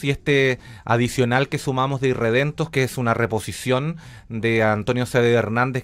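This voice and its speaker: A Chilean man speaks as a guest in a studio interview. His voice sits at an average pitch, and he explains at length in a conversational, digressive way. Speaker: interview guest, radio drama director.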